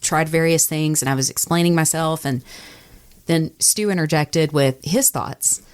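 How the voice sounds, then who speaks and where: A woman's voice: deep voice, a little slow. A woman telling work stories in a casual podcast conversation, speaking in a candid, reflective way as a radio personality.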